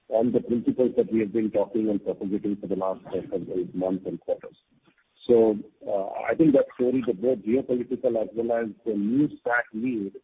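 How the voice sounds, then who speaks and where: A male company executive giving a halting, jargon-filled answer on a corporate earnings call. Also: lowish voice, vocal fry, slightly rough. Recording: narrowband phone conference line.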